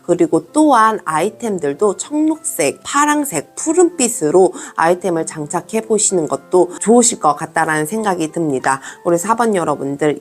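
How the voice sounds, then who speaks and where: A woman giving a weekly tarot reading to her viewers, talking in a gentle, reassuring way and addressing them as a group. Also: lowish voice. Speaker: tarot reader. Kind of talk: soft-spoken tarot reading. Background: faint background music.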